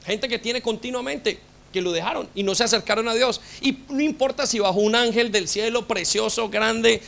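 A man's voice: very high voice, normal speed, creaky, fairly bright tone. A man preaching a sermon as a pastor, impassioned and full of rhetorical questions.

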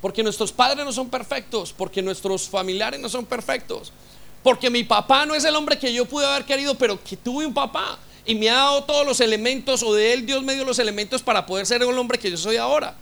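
Male pastor, fervent sermon delivery, high bright voice, drives points home with rhetorical questions. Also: brisk, vocal fry. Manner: impassioned preaching with rhetorical questions.

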